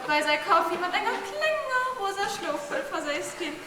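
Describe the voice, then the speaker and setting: A woman's voice: very high-pitched, very animated, normal speed. A woman with a Luxembourgish accent, acting a dry, teasing office worker who pranks her boss in a live cabaret sketch. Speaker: cabaret actor. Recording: distant echoey stage recording.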